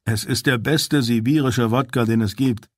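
A man's voice: medium pitch, fairly even intonation, normal speed, no room sound, close to an everyday voice. Caring male officer, persuasive, in the male reader's plain voice, dry. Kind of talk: audiobook character voice.

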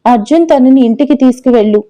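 A woman's voice: sits high, fast talker, warm tone, lo-fi sound, lightly acted. A woman voicing an angry young husband and company boss who speaks in a curt, stern way.

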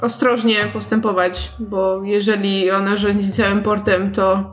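A woman's voice: mid-range voice, little pitch movement, a little slow. A woman chatting casually and playfully as she plays a character in a tabletop role-playing game. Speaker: tabletop RPG player. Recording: roomy sound with music behind.

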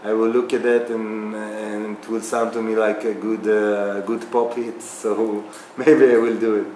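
A man in his thirties with an Israeli accent, answering interview questions casually with many fillers and restarts. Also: lowish voice. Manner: halting, many fillers and restarts, animated hand gestures. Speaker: guest, video remixer. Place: small bright room indoors. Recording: echoey room, faint background hiss.

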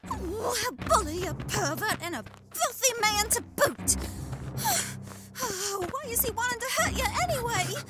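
A woman's voice: very high-pitched, very animated, unhurried, heavy background noise, heavily acted. A woman playing a plucky, defiant young heroine in an audio drama, with a folksy Southern US accent and a feisty manner. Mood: bewildered.

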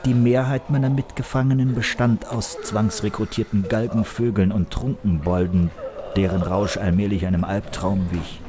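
A man's voice: fairly low pitch, fairly even intonation, normal speed, a crowd in the background. A man narrating a scripted first-person adventure in a grandiose, ornate storytelling manner. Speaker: narrator and hero of an audio play.

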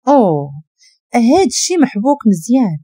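A woman's voice: a little high, big pitch swings, brisk, dark tone, husky, no echo. A woman doing Sakhr, a cold Moroccan man giving short orders, dry close sound. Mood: calm. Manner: curt and commanding. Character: stern cold man, a suspect under arrest.

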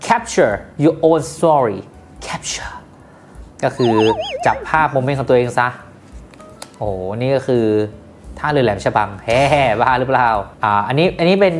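A woman's voice: very deep voice, slight background noise. A woman hosting a casual phone review, playful and jokey, chatting directly to viewers. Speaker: tech reviewer host.

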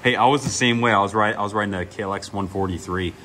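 Guy hyped up showing off a bike to viewers, lowish voice, phone mic in a big noisy shop. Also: fast. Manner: excited, addresses viewers directly. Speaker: host. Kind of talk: casual shop chat. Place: large motorcycle workshop indoors.

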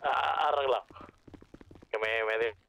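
A man's voice: medium pitch, steady tone, unhurried, creaky, bright, forceful tone. A man chatting casually with his group during an online roleplay game. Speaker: gamer playing in a roleplay group.

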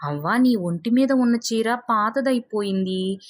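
A woman's voice: fairly high pitch, unhurried. Kind, eager village housewife, voiced by a woman narrator. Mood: curious, caring.

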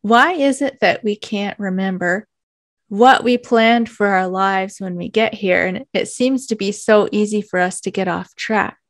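A woman hosting a podcast, calmly asking a guest a question over a video call. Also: mid-range voice, a little slow, no echo, clean studio sound. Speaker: podcast host. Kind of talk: interview questions.

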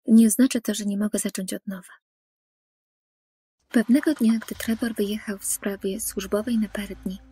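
Woman narrator, mellow, breathy, dry close voice-over, faint music behind. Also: medium pitch, no room sound. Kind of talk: scripted first-person story narration.

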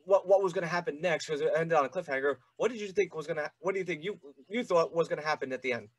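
A man's voice: on the high side, fast, dry recording. A young man hosting an interview, asking long rambling questions with eager fan enthusiasm. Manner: rambling, many fillers and restarts, eager fan. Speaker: podcast host.

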